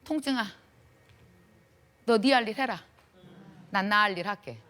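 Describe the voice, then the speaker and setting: A woman's voice: mid-range voice, a little slow, a bit bright, natural voice. A woman voicing an elderly bedridden mother in her seventies, who talks plainly and homely to her daughter with cheerful resolve. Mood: resolute.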